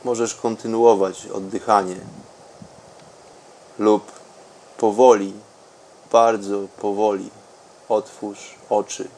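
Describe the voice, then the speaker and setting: A man speaking in a calm, unhurried, soothing way with long pauses, as a podcast host and meditation guide. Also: on the low side, slight background noise, poor audio.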